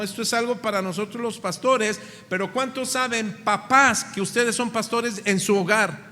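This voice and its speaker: Pastor mexicano de voz aguda y brillante. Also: male voice, high-pitched, bright, forceful tone. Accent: Mexican Spanish. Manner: preaching with questions to the congregation, slowing on key words. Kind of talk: sermon. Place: church hall. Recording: church hall reverb.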